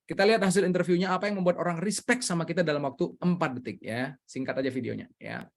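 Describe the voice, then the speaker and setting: A male trainer runs an online session over a video call, talking fast in a fairly high voice. He is energetic and keeps coaxing his audience to join in. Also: gravelly.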